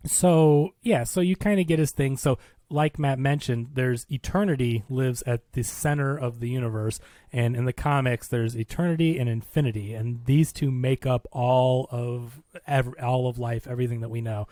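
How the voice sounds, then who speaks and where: A man's voice: mid-range voice, fairly even intonation, moderate pace, warm tone, no echo, studio quality. A man hosting a film podcast, casually recapping a movie in colloquial, storytelling talk. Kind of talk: casual movie review chat, recapping a plot.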